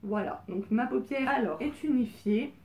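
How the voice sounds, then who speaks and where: A woman giving a casual makeup tutorial as a beauty vlogger, chatty and hesitant, with many filler pauses. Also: a little high, dark tone. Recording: roomy echo.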